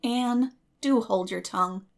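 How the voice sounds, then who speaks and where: A woman's voice: a little high, a little slow, creaky. A woman voicing a stern, no-nonsense older guardian, terse and moralizing, in a dramatic audiobook reading. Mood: weary.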